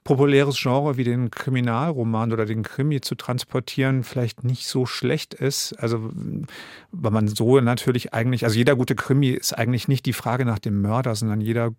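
A man's voice: mid-range voice, fairly even intonation, a little fast, a little mellow, no echo, clean studio sound. A man in his fifties from Germany, an author answering interview questions thoughtfully, with many fillers and restarts. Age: 50s.

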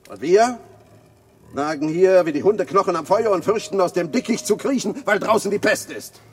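An actor playing a sardonic, bitter Soviet writer in a radio drama, mocking and breaking into shouted rants. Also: male voice, sits high, normal speed, lightly acted. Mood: scornful.

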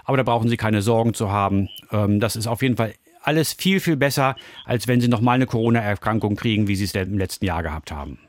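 A man's voice: fairly low pitch, fast talker, no echo. A man speaking as a doctor, giving reassuring medical advice in simple, explanatory terms. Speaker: doctor answering callers.

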